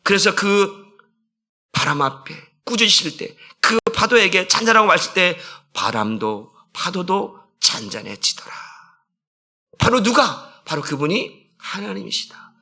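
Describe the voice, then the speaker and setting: A man's voice: sits high, sing-song, unhurried, bright, forceful tone, breathy edge. A man preaching a conversational sermon as a senior pastor, asking the congregation questions and acting out quotes.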